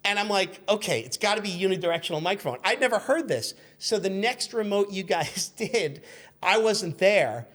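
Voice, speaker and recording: A man's voice: high voice, lively intonation, normal speed, a bit bright. A man in his fifties chatting casually as a guest, telling anecdotes and acting out what people said. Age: 50s. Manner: acts out quotes in stories. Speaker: guest, former radio intern.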